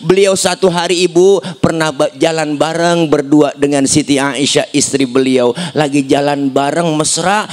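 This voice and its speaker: A man preaching a comic sermon to a crowd, joking and acting out voices as he tells stories. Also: high voice. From Indonesia. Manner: joking, storytelling, acts out voices, sometimes chants. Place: outdoor religious gathering.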